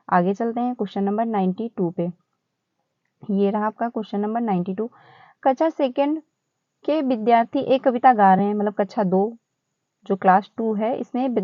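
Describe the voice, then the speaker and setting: An exam prep teacher, a woman, goes over test questions in casual mixed Hindi and English like a friendly tutor, chatty and repeating phrases with easy fillers. Her voice is a little high. The recording is dry and slightly muffled, with no room sound or echo.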